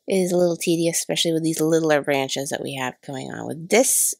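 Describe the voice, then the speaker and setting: Woman in her thirties, host of a crafting tutorial voice-over; slightly nasal from a cold, low-pitched and gravelly, dry close recording. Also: a little fast, no echo. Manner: chatty, self-deprecating about mistakes. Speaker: card-making channel host. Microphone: voice-over recorded separately.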